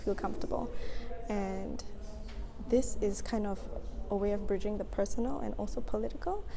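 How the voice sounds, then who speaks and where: A woman's voice: medium pitch, normal speed, creaky, crowd noise. A young woman from Singapore answering interview questions thoughtfully, with frequent ums and laughs.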